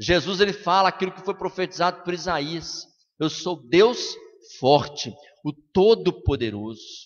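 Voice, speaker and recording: A man speaks at a fairly slow pace in a high pitch with ordinary variation. The background is quiet. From Brazil. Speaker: pastor. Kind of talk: sermon. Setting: church. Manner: animated, emphatic preaching; rhetorical questions to congregation, call-and-response. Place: church. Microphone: handheld.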